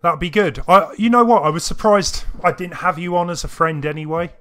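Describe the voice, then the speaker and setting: A man's voice: a little high, fairly quick, sharp tone. A man live-streaming a video game, chatting casually and a little ramblingly with his viewers. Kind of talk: casual livestream chat to viewers. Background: music playing behind the voice.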